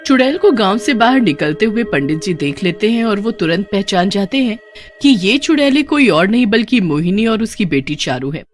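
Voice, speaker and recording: A woman narrating a cartoon horror story in an even, scripted storybook manner. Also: mid-range voice, normal speed, faint music behind.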